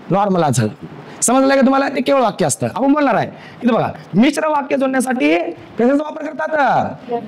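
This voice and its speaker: A male teacher giving a grammar lecture. He asks the class questions, answers them himself, repeats key terms and mixes in English words. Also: very high voice.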